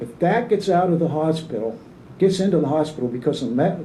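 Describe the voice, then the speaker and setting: Audible room echo accompanies a man with a fairly high pitch speaking with an American accent. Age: 70s. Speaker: public commenter, Vietnam veteran. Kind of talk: public comment at government meeting. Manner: halting.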